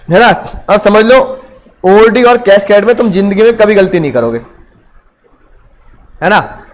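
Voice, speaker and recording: High-voiced animated male teacher. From India. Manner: animated, fires rhetorical questions at students. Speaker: commerce teacher. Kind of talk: classroom lecture.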